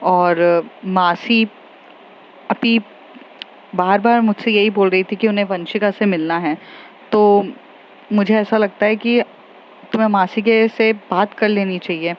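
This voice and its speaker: Woman voicing a calm, concerned older brother. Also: medium pitch, unhurried, pauses often, lightly acted. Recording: slightly dull, faint background noise.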